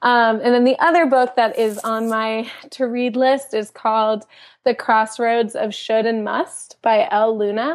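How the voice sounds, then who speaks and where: A woman with an American accent speaks in an unremarkable speaking voice, at a fairly slow pace and fairly high pitch, with fairly even intonation, on a very clean recording with a silent background. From US Northeast, Boston. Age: 20s. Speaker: guest, recent graduate. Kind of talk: interview.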